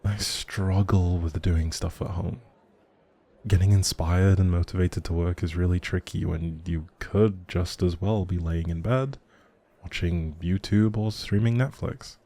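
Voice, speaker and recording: A man's voice: low-pitched, fairly even intonation, a little slow, dark tone. A man playing a shy, socially anxious but friendly young writer in an intimate audio roleplay, rambling hesitantly and apologetically to the listener. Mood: rambling, musing.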